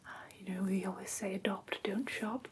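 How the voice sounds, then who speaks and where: A woman playing a gentle, prim vampire teacher in whispered ASMR roleplay, breathy and careful, close to the microphone. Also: medium pitch, fairly even intonation, normal speed, slight background noise, close to an everyday voice. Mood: gentle, instructive. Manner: soft, careful, instructive, politely formal. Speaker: ASMR performer.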